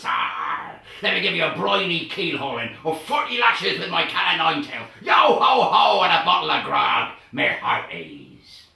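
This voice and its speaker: A man voicing a hammy old sea pirate who bellows and growls out long, drawn-out pirate cries. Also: fairly high pitch, vocal fry, sharp tone, pitched above the performer's own voice, exaggerated voice. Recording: echoey, far from the mic.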